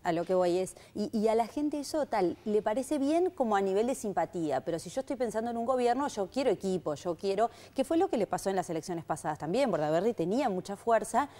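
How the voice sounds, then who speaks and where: Mellow-voiced woman explaining opinion trends. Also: medium pitch, lively intonation, fast, hardly any pauses. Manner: explanatory, checks in with "¿sí?". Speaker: public opinion analyst. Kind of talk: panel discussion.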